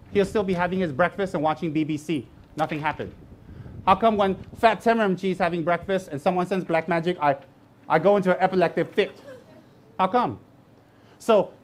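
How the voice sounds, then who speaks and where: Blunt joking Buddhist teacher. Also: male voice, high voice. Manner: blunt, humorous, repeats phrases for emphasis. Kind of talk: dharma talk.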